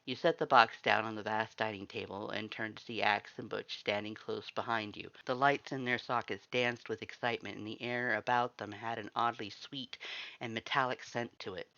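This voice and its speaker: Male narrator for fiction audiobook-style reading: creaky voice, forward bright tone, slightly muffled dry recording. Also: lowish voice, fairly even intonation, normal speed, dry recording. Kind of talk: scripted story narration.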